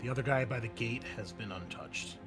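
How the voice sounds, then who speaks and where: A man's voice: mid-range voice, a little fast, over music. A man narrating a tabletop roleplaying game as game master, mixing descriptive scene-setting with informal rules talk.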